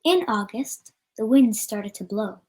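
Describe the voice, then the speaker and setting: A woman reading a storybook aloud in a plain, somewhat halting manner. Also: on the high side, expressive, darkish tone. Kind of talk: read-aloud storybook narration.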